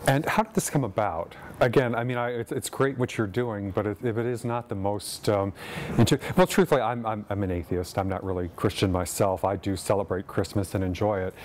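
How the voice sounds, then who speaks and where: Male talk show host, lowish voice, inquisitive, rambling questions, faint background hiss. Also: a little fast, a little mellow. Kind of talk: interviewing a guest.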